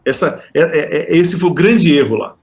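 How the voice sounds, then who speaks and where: A man with a Brazilian Portuguese accent, a guest executive explaining a past business mistake in a halting way with many restarts. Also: on the high side, slight background noise. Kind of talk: conversational explanation.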